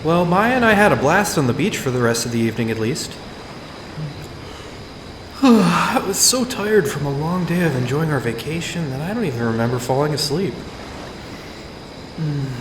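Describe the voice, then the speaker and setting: An actor playing an affable, bemused lawyer on holiday, narrating in a wry, conversational first person in an audio drama. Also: male voice, on the high side, lively intonation, moderate pace, pauses often, roomy sound, background noise, close to an everyday voice. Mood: sleepy, wry.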